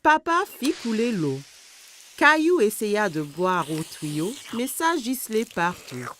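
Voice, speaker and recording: A woman narrating a children's cartoon story in an expressive, scripted storytelling style. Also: medium pitch, slow pace, slight background noise.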